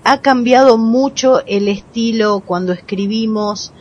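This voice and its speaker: A woman's voice: on the high side, unhurried, muffled recording, slight background noise. A woman with an Argentine accent interviewing conversationally as a radio host.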